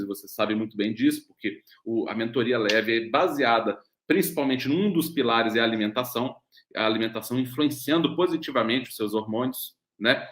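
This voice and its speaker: A man's voice: medium pitch, a bit bright. Brazilian man lecturing in an echoey room. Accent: Brazilian Portuguese. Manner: explanatory, with frequent "né?" and rhetorical questions. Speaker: doctor leading a weight-loss mentoring program. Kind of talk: online mentoring lecture.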